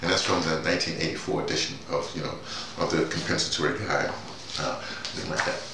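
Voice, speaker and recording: A middle-aged man talking casually and off the cuff, halting, repeating words and drifting into digressions. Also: rumbling low, steady tone, creaky. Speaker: playwright and audio drama director presenting his writing. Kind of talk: casual off-the-cuff vlog talk. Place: small bare-walled office, indoors. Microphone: camera mic a few feet away. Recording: distant mic, echoey room, noisy background.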